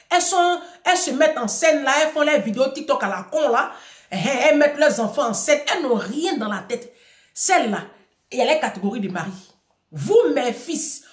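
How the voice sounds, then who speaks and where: A woman's voice: sits high, a bit bright, roomy sound. A middle-aged woman giving impassioned advice to her audience, emphatic and preachy, repeating phrases for force.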